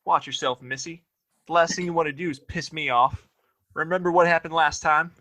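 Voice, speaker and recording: Man as high-pitched, cocky Western sheriff. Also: fairly even intonation, fairly quick, sharp tone. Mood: menacing. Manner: folksy, rustic grammar. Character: cocky, threatening sheriff, boss's obedient son. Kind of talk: Western audio play acting.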